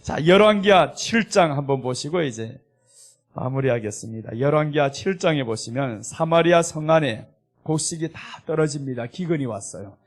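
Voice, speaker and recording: A man's voice: fairly high pitch, lively intonation, moderate pace. A man pastor preaching a sermon, emphatic, voicing the scripture quotes as he explains them. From South Korea.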